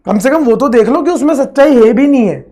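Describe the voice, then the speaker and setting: High-voiced man teaching chemistry. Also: lively intonation, fast, mellow. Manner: repeats phrases, drills students, calls them friend. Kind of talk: classroom lecture at a board.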